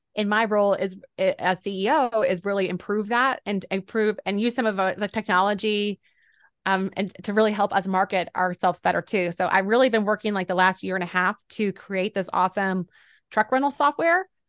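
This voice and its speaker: An unremarkable speaking voice from a woman with an American accent, medium pitch, ordinary pitch variation and a fairly quick pace, in a dry, close sound with no echo against a quiet background. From Texas, San Antonio area. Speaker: CEO of family trucking company. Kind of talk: interview.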